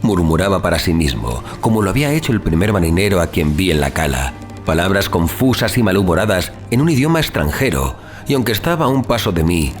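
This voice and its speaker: A man's voice: low-pitched, sing-song, fairly quick. A man playing an anguished young adventurer, narrating a horror sea tale in a theatrical, literary, intense style. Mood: brooding, uneasy. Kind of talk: dramatic horror audiobook narration. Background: music.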